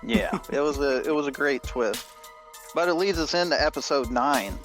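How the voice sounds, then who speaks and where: A man's voice: a little high, moderate pace, a bit bright, soft background music. A man recapping a story as a podcast guest, in a casual, wry way. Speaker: podcast guest, writer and editor.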